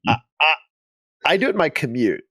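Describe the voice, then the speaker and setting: A man co-hosting a casual chat show, chatty and quick to joke. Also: fairly high pitch, expressive, sharp tone, breathy edge, dry recording, clean studio sound. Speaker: podcast co-host.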